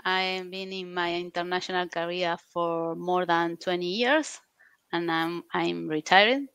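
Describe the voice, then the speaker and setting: A woman from Argentina, talking in unhurried, halting English on an online panel. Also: fairly low pitch, fairly bright tone, clear, resonant tone, no echo. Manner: unhurried, halting non-native phrasing. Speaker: retired international hockey umpire, guest. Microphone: computer mic on a video call.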